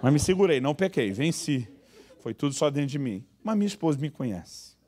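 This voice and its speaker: A man pastor, telling funny stories in a church sermon and acting out the people in them. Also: a little fast. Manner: animated, acts out quoted dialogue with sudden high voices. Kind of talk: humorous storytelling sermon. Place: church service.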